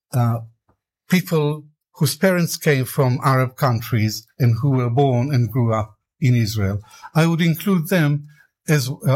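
An older man from Iraq, an author giving reflective interview answers in a measured, deliberate way and building his points into emphatic lists. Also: mid-range voice, darkish tone.

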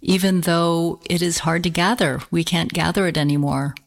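A woman co-hosting a podcast, talking reflectively and slowly, often restarting her phrases as she searches for words. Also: lowish voice, steady tone, gravelly. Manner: slow, searching, with repeated restarts. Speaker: podcast co-host. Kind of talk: reflective conversational talk.

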